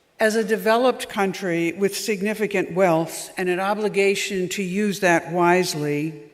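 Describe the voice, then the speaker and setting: At a moderate pace and with hardly any pauses, a woman of medium pitch speaks amid audible room echo. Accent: American. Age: 70s. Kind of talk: conference talk. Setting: conference round table. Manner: formal.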